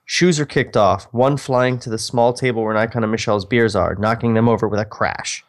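A man's voice: fairly low pitch, fairly even intonation, fairly quick. A man reading stage directions from his own old script, dropping in mocking, casual asides. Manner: mocking, self-deprecating asides, swearing. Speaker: host reading his old screenplay aloud.

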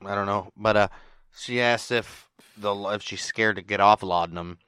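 A man's voice: lowish voice, moderate pace, sharp tone, clean tone, dry recording. A man co-hosting a casual recap chat, talking loosely and profanely as he retells scenes. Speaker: podcast co-host.

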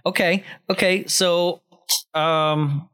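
A man's voice: high voice, fairly even intonation, very slow, fairly bright tone, clear, resonant tone. A man hosting a casual film-review podcast, talking loosely with many "likes" and restarts. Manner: loose and rambling, lots of fillers and likes. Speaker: podcast host reviewing films. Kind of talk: casual chat.

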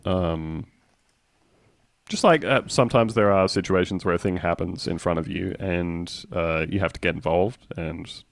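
Dry-humored man, low voice. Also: a little slow, gravelly, no echo. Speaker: podcast co-host. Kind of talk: casual chat.

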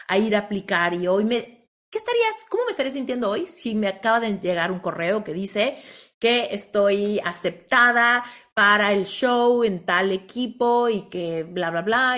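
A woman with a Mexican accent hosting a motivational coaching talk, telling stories in an animated way and often ending lines with a questioning tag. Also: mid-range voice. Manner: animated storyteller, tags lines with "¿no?". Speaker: host.

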